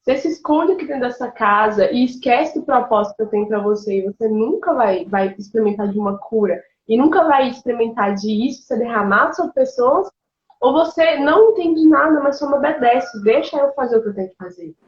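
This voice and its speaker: A woman's voice: on the high side, fairly quick, roomy sound, dull audio. A woman pastor, telling her personal testimony in an interview with emotion and bursts of laughter. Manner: emotional, animated storytelling with laughs and colloquial fillers.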